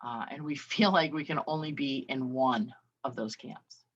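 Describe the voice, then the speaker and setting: A woman's voice: very deep voice, normal speed, muffled recording. A woman hosting a podcast on her own, talking casually and chattily, now and then swearing or acting out quoted voices. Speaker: podcast host. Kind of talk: casual solo podcast talk. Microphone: video call.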